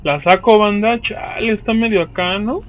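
A man's voice: high voice, normal speed, slight background noise. A man with a Mexican accent giving casual, slangy, profanity-laced commentary as he plays a video game.

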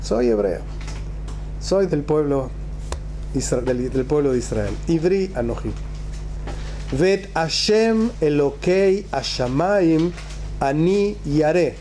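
A rabbi teaching a religious text in a small indoor classroom speaks slowly in a fairly high, warm, animated voice, pausing often. He stays conversational, posing rhetorical questions and repeating points for emphasis, over slight background noise.

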